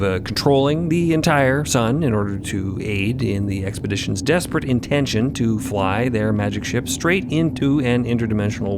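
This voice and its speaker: A man narrating a fiction podcast theatrically, with conversational asides and dramatic, drawn-out phrasing. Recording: loud ambient rumble behind voice.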